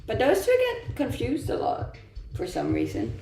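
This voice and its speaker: Woman from Denmark, casual livestream host, lots of vocal fry, roomy echo, faint music under her. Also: a little high, huge pitch swings, moderate pace, mellow. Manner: laughs often, chatty and self-amused. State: blocked nose from blowing it a lot. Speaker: livestreamer reading chat. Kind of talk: casual morning livestream chat.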